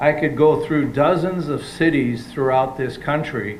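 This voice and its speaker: Over noticeable background noise and audible room echo, a man speaks very slowly with fairly even intonation. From Wisconsin. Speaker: public commenter at city meeting. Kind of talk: public comment speech. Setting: city board meeting. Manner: hesitant with fillers.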